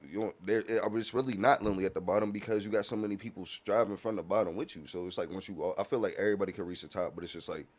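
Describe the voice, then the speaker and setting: A man's voice: deep voice, fairly even intonation, very fast, hardly any pauses. A man talking as a musician guest in a casual podcast conversation, laid-back and heavy on slang, often checking in with "you feel me".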